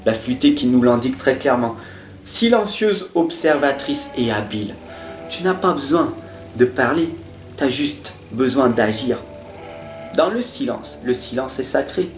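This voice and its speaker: A man giving a monthly horoscope reading from tarot cards, talking in an earnest, repetitive motivational way, stuttering at times and swinging between loud and soft. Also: medium pitch, normal speed. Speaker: tarot reader. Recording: roomy sound with faint guitar music.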